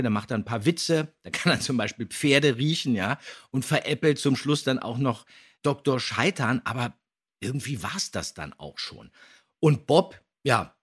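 A man with a slightly husky voice, talking casually as a podcast co-host reviewing stories. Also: mid-range voice, a bit bright. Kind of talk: casual podcast review of an audio drama episode.

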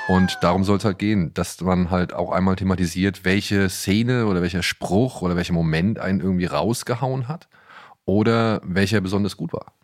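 A man's voice: low voice, moderate pace. A man co-hosting a podcast in casual conversation. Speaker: podcast co-host. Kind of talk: casual chat.

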